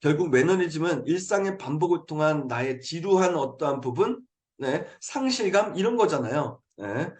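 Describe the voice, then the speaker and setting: Animated earnest Korean motivational speaker man. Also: fairly high pitch, moderate pace. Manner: earnest, coaxing, with frequent affirming "네". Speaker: motivational speaker hosting a habit program. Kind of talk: motivational talk. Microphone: video call mic.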